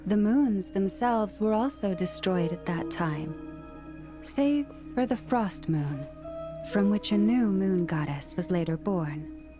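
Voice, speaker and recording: A woman voicing a polite, gentle, earnest young woman in a video game, soft and courteous. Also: mid-range voice, expressive, slow pace, over music. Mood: explanatory. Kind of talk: video game character acting.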